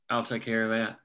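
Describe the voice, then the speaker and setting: A man's voice: lowish voice, pushed and bright, exaggerated voice. A man reading an easygoing, protective small-town family man at a screenplay table read, plainspoken in manner. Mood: firm.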